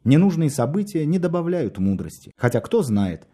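A man reading a story aloud, expressive and wry in his storytelling. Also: on the high side, normal speed. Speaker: narrator. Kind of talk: audiobook narration.

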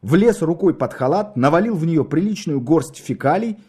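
A man reading a story aloud, expressive and wry in his storytelling. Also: fairly high pitch, normal speed, slightly rough. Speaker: narrator. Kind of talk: audiobook narration.

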